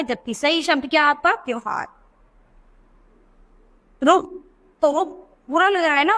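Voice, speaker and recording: A woman with a high voice teaches a grammar lesson to young schoolchildren. She explains patiently, repeats each word and asks the class questions as she goes. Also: a bit bright.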